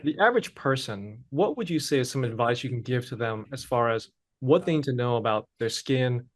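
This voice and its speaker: A podcast host with a mid-range male voice speaks fairly quickly. He steadily reads a scripted introduction of his guest, then moves on to interview questions.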